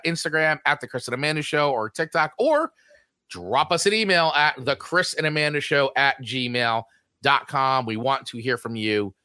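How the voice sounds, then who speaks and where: A podcast co-host with a New Jersey accent chats casually and rambles his way through show plugs. His voice is a little high with a sharp tone, recorded cleanly in a studio with no echo.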